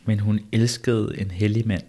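A man reading the part of the old prophet Elijah in a measured, insistent way, during an amateur read-through. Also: fairly low pitch, little pitch movement, dark tone, natural voice. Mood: solemn. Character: old male prophet Elijah, calm and solemn.

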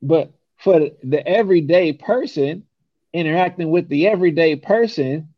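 A man's voice: on the high side, normal speed, dry recording, highs cut off. A young man from San Francisco, talking casually and emphatically, often ending points with a rhetorical "right?". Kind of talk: casual conversation.

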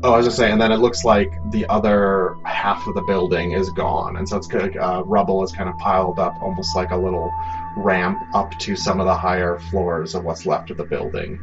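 A man working as game master, narrating a tabletop game in a halting, conversational way with many asides. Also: low voice, steady tone. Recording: dull, muffled sound under prominent music.

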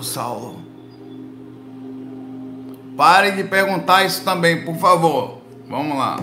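Animated Pernambuco man, bright echoey voice. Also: on the high side. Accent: Pernambuco Portuguese. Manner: animated storytelling, loud bursts, slangy. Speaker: spiritual vlogger answering viewers. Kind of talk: casual talk to camera. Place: indoor room with a light behind him.

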